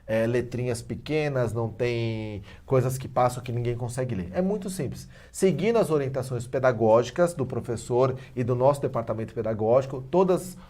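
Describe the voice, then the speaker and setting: A middle-aged man, a guest on a talk-show interview, explaining his teaching method in an animated, persuasive way. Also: mid-range voice, normal speed, few pauses. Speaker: guest, head of a language school.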